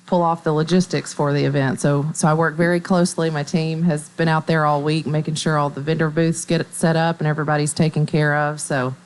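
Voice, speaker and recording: Low-voiced woman guest on local radio. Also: flat delivery. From Middle Tennessee. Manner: measured, upbeat, with fillers. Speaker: bank marketing staff, guest. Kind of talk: radio interview.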